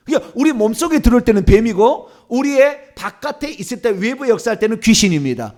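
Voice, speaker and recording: Male pastor, sermon delivery, strikingly high and animated pitch, emphatic. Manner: emphatic, swings between soft asides and loud commands.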